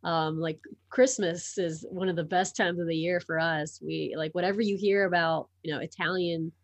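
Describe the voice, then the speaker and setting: A woman's voice: lowish voice, steady tone, normal speed, dry recording. A woman whose first language is Portuguese, a sports publisher talking as a podcast guest, chatty and full of ums and restarts. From United States (Miami). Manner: talkative, many ums and restarts. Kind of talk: casual interview chat.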